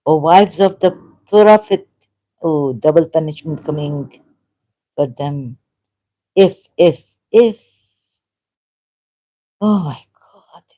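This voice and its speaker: A woman's voice: fairly low pitch, mellow. A woman giving a solo commentary, reading verses aloud and thinking aloud as she argues. She breaks off mid-phrase and asks her listeners questions. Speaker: ex-Muslim commentator.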